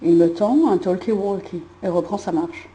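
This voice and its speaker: A woman playing a male actor at a sound test, reading his film lines in a slow, flat monotone. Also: lowish voice, pitched below the performer's own voice, close to an everyday voice.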